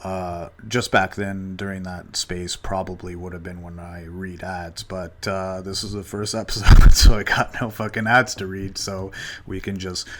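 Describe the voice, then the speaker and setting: Man in his thirties, from Canada, deep voice, monotone, casual rambling podcast talk, faint hiss. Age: 30s. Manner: loose, halting, many fillers and restarts, casual swearing. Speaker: podcast host. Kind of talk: rambling solo podcast monologue.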